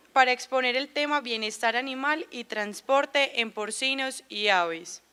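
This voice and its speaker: A woman's voice: on the high side, sharp tone, clean tone. A woman working as an event announcer, reading a formal scripted introduction of a speaker.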